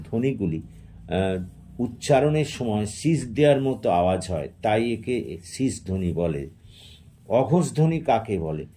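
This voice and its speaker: A male teacher reading out exam questions and their answers in a steady question-and-answer dictation. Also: medium pitch.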